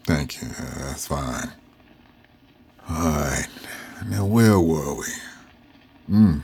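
An actor playing an old freed man from the South who tells his life story slowly and reflectively. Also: rumbling low, lively intonation, a little mellow, husky, exaggerated voice. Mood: reminiscing. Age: older. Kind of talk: audio drama narration.

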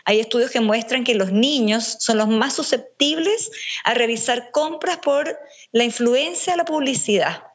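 Woman with a mixed Venezuelan-Chilean accent. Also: a little high. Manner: measured, structured, lists points. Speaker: nutrition expert guest. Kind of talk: explanatory interview answers. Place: speaking remotely from home.

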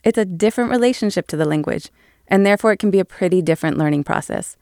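A podcast producer, a woman, explaining a topic to the host in a clear, relaxed way. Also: mid-range voice, quick pace, no echo, clean studio sound. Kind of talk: conversational explainer.

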